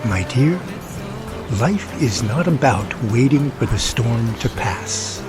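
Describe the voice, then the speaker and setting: A man's voice: mid-range voice, lively intonation, takes it slowly, over music. A man acting in an audio drama as a playful, curious, romantic young man.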